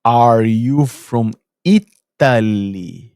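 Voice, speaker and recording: A man voicing an older woman neighbor who asks blunt, suspicious questions in a slow, drawn-out voice. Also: mid-range voice, darkish tone, smooth, no room sound, clean studio sound, voice pushed down.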